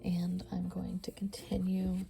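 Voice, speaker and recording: Soft-spoken woman counting crochet stitches. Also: fairly low pitch, completely flat delivery, measured pace, gravelly, faint music behind. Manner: counts stitches aloud, often dropping to a soft near-whisper. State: stuffy nose. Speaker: crochet instructor. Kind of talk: step-by-step craft tutorial.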